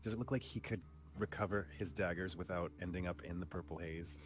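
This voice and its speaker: A man playing a tabletop roleplaying game, thoughtfully narrating his character's actions and speaking in character, in a measured, hesitant way. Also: deep voice. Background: background music.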